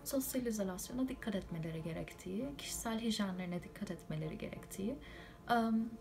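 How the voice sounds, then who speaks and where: A woman's voice: medium pitch, darkish tone. A young woman from Turkey giving an informative update, explaining point by point with hesitations. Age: young adult. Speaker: student living abroad.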